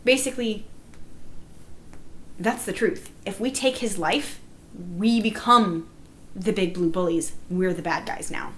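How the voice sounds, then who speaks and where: With a mid-range voice, a measured pace, and long pauses, a player describes what happened in a live-action roleplay game to a group, her storytelling emphatic and indignant. Background noise is noticeable.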